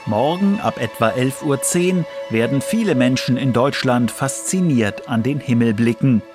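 A man's voice: medium pitch, moderate pace, music in the background. A man reading scripted science documentary narration for a radio feature.

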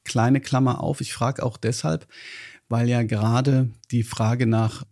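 Husky, gravelly man asking winding questions. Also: mid-range voice, level tone, a little slow, a little mellow. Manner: long winding questions with asides. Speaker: podcast host, interviewer. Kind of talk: interview questions.

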